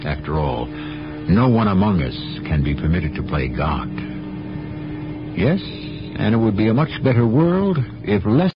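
A man hosting a radio drama, giving measured, moralizing scripted narration. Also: fairly low pitch, big pitch swings. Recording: muffled radio broadcast, music behind.

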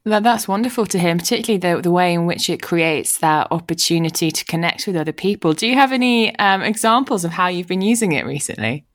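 A woman co-hosting a podcast, upbeat and quick to laugh as she introduces guests. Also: lowish voice, animated, no echo, studio quality. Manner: bubbly, laughs easily. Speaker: podcast co-host.

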